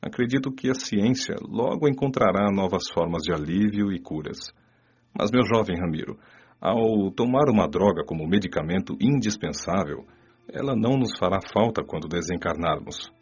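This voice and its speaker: An actor with a Brazilian Portuguese accent playing a wise spirit doctor who teaches in a calm, paternal way. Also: male voice, sits low, moderate pace, husky. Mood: gentle. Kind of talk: radio drama dialogue. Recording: dull lo-fi audio.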